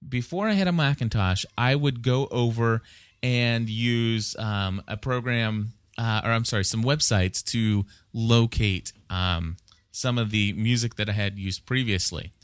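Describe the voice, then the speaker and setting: A man's voice: mid-range voice, measured pace, smooth, no echo. Dry-sounding man hosting a podcast. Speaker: podcast host. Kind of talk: casual explanatory podcast talk.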